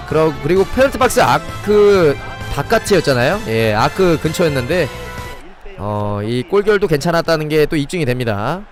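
Excitable man calling live game play. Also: fairly high pitch. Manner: excitable play-by-play, chatting with viewers. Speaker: game streamer. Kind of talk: live gameplay commentary.

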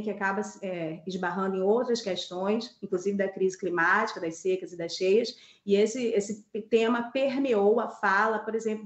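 Brazilian woman columnist on a video call. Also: mid-range voice. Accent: Brazilian Portuguese. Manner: thinks aloud with many fillers and restarts. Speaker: political columnist. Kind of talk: live news commentary. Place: home office with map on wall. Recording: echoey room.

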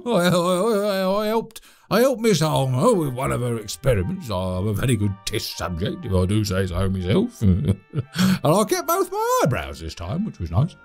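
A cheerful, chatty British manservant in an audio drama. He rambles and stammers through his monologue in a mid-pitched voice that swings up and down freely. Faint music sits behind him. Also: sing-song, moderate pace. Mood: cheerful, upbeat. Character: chatty, cheerful, oft-killed manor servant named Todd.

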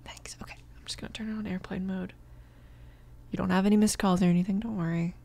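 Female mafia boss, acted by a woman, soft and creaky, protective yet apologetic, hesitant ASMR romance delivery. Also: mid-range voice, fairly even intonation. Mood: flustered, gentle. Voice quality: soft, creaky, breathy whispering at times. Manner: hesitant, reassuring, halting. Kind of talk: ASMR romance roleplay, often whispered.

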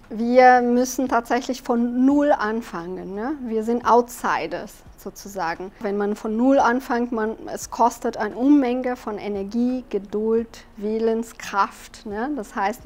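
A Brazilian woman in her forties answers interview questions in a fairly high voice with a Portuguese accent. She is thoughtful, frequently pausing on fillers while searching for words. A close lapel mic captures her in an office with large windows.

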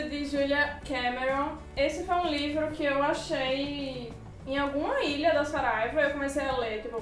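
High-pitched woman gushing over gifts, roomy echo, mic kinda far, soft music behind. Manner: excitable, exclamatory. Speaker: channel host. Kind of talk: casual gift unboxing chat.

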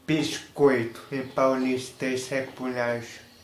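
In a small, echoey room with faint hiss on the recording, a young YouTuber addresses the camera casually in a mid-range voice that shows little pitch movement. His Carioca Portuguese accent comes through as he unpacks slang word by word at a slow, halting pace.

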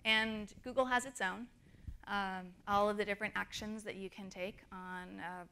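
A woman's voice: mid-range voice, steady tone, normal speed, bright, forceful tone, clear, resonant tone. A woman speaker at a design conference, explaining her points with fillers and demonstrating intonation. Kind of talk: conference talk. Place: conference stage.

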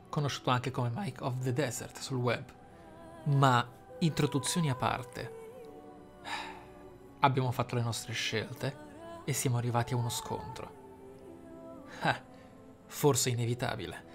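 A man's voice: medium pitch, fairly even intonation, a little slow, pauses often. An Italian man gives casual let's play commentary as a gaming channel host. Game music plays behind his voice.

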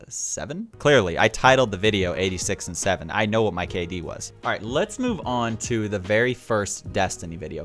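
A young man in his twenties, a gaming YouTuber, commenting on his old videos with animated, self-mocking asides into a headset mic at home. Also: lowish voice, gravelly. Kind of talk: reaction commentary. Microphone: headset with boom mic.

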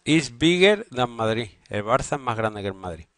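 A man's voice: mid-range voice, sing-song, normal speed, fairly bright tone, dry recording. A man teaching English grammar in a classroom, teasing and bantering with his students. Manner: banters and teases students, joking about football. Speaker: secondary school English teacher. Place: school classroom.

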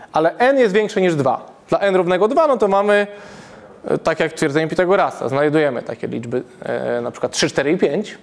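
Guy in his 30s teaching math in a classroom, kinda high voice, keeps correcting himself and asking "right?". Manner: thinking aloud, frequent self-corrections and "tak?" checks. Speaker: university lecturer. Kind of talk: public math lecture. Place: classroom with chalkboard, indoors.

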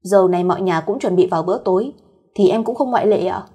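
A woman's voice: mid-range voice, fast, mellow, slightly rough. A woman voicing a feisty, pert young female employee in a fireside storyteller's audio tale. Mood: polite, pert. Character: feisty young female employee, grumbling yet polite to boss. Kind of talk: acted dialogue in an audio story.

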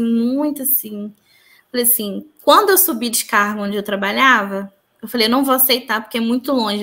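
A woman with a fairly high voice gives a personal spiritual testimony in an interview. She talks earnestly and retells past events through quoted dialogue. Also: fairly bright tone. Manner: earnest, tells her story with reported dialogue.

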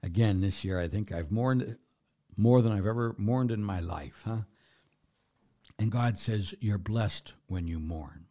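A man, a Catholic priest giving an emphatic sermon that swings between loud declarations and quiet asides. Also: lowish voice, unhurried.

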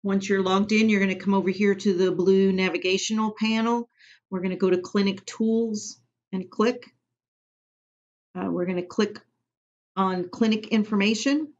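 Woman trainer for a software walkthrough, plain instructional delivery with fillers, muffled computer-mic sound. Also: medium pitch, fairly even intonation, normal speed. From Missouri. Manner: plain step-by-step instructions with frequent ums. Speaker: immunization program trainer. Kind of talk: screen-recorded software tutorial. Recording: dull lo-fi audio.

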